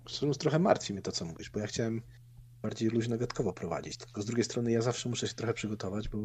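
A man's voice: lowish voice, fast talker, darkish tone, breathy edge. A man co-hosting a radio chat who talks in a wry, self-deprecating way. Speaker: radio show co-host. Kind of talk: casual chat.

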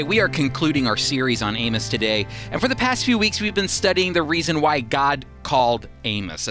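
A man's voice: medium pitch, fairly bright tone. A man co-hosting a Christian radio program, earnest and emphatic, teaching with fillers and restarts. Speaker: radio Bible teacher, co-host.

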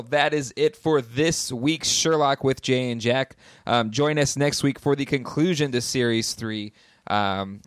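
Relaxed male co-host, medium pitch, dry close sound, casual sign-off. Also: dry recording. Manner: easygoing, lots of fillers. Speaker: podcast co-host. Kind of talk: casual chat and show outro.

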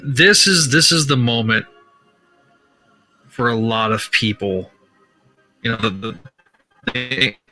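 A man co-hosting a casual film discussion, talking haltingly with many restarts as he builds his point. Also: medium pitch, pushed and bright, soft background music. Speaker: podcast co-host. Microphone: remote call setup.

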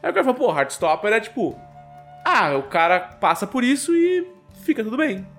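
A Brazilian podcast co-host with a high voice chats casually at normal speed, with faint music in the background. Speaking with a Brazilian Portuguese accent, he tells stories animatedly, quotes others in a raised voice, and uses slang and frequent fillers.

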